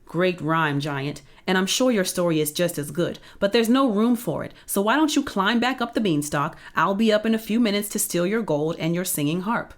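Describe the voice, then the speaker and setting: A woman's voice: fairly low pitch, normal speed, few pauses, natural voice. A woman voicing Jack, a pushy, cocky boy narrator who talks eagerly and brashly.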